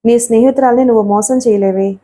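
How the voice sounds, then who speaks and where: A woman voicing a playful, caring young female student who coaxes her friend with gentle banter. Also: fairly high pitch, steady tone, fast, lightly acted. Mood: coaxing.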